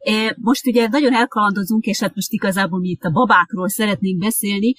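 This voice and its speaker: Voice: mid-range voice, fairly even intonation, fairly bright tone, no echo. Hesitant interviewer with a dry, close sound. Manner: hesitant, many filler sounds. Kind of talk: conversational interview. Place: lives in Japan.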